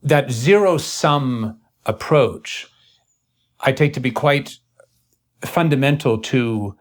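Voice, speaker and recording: A man speaking as an interviewer in an intellectual conversation, earnest and deliberate, often halting and repeating phrases. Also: medium pitch. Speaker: interviewer in a long-form conversation.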